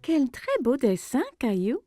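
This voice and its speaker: A woman playing a gentle, attentive, encouraging mother in a children's cartoon dub. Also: high-pitched, big pitch swings, measured pace, faint music behind.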